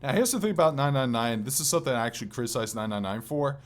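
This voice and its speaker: A man co-hosting a podcast, chatting casually about video games in a rambling, halting way that often restarts. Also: mid-range voice, lively intonation. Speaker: podcast co-host.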